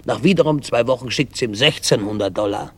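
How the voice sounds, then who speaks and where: A man's voice: medium pitch, brisk, breathy edge. A male comedian telling jokes in a Yiddish-flavoured storytelling style.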